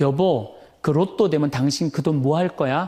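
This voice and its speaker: A man's nasal, put-on character voice, fairly high in pitch, at a moderate pace, on a very clean recording with a silent background. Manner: coaxing, wheedling.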